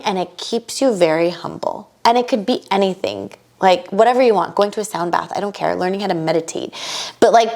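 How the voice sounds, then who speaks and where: A woman from the United States, a guest on a podcast, talking in a casual, animated and emphatic way with many quick asides. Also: medium pitch. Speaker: podcast guest, bridal fashion entrepreneur. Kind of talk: casual conversational interview.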